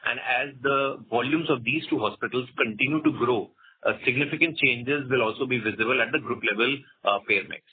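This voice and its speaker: A man's voice: medium pitch, a little fast, husky. A man with an Indian accent speaking assertively as a company executive answering questions on an earnings call, with frequent "you know". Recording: muffled narrow phone conference line.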